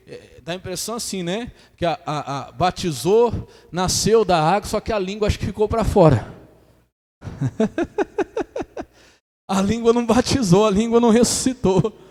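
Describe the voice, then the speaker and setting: A man with a Brazilian Portuguese accent preaching a sermon as pastor, lively, calling on the congregation to say amen. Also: sits high. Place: church hall. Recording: long church reverb.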